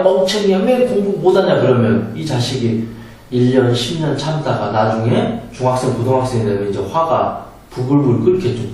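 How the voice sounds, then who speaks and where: Lively man lecturing in a very echoey room. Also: mid-range voice. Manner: lively, emphatic, acts out angry quotes, laughs often. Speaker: meditation and self-help lecturer. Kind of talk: spoken lecture. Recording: very echoey room from a distance, faint noise.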